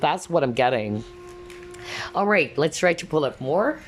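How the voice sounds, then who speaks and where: Woman, low voice, hoarse and fading, tarot reader, rambling casual talk. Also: expressive, measured pace, soft background music. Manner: rambling, repeats "that's what I'm hearing". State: losing her voice, hoarse. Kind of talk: casual pick-a-card tarot reading.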